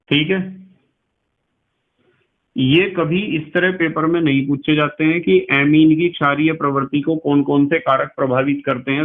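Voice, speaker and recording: A middle-aged man with a western Uttar Pradesh Hindi accent, teaching chemistry as a lecture, explaining slowly, repeating key phrases and quizzing his students. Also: fairly high pitch. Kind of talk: classroom lecture. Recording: tinny phone-like sound.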